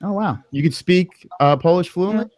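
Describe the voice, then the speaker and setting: A man's voice: high-pitched, normal speed, a little mellow, dry recording. A man with a New York accent hosting a casual livestream interview, joking and laughing often. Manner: joking, laughs often, stumbles over words. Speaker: host.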